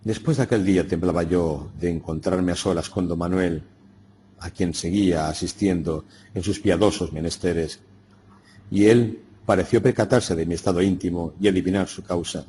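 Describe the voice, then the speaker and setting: A man narrating a literary audiobook in a slow, solemn, reflective manner. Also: deep voice, warm tone, slight background noise.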